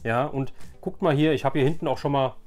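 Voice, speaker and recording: A man in his forties speaks as a vlog host with an ordinary mid-pitched voice. He chats informally and enthusiastically to his viewers, rambling nostalgically. Music plays faintly behind him. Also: fairly even intonation, brisk, a little mellow. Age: 40s. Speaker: video host.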